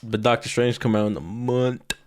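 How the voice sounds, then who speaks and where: Easygoing young man, mid-pitched voice. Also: normal speed. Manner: easygoing, slangy, curses casually. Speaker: podcast co-host. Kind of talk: casual chat.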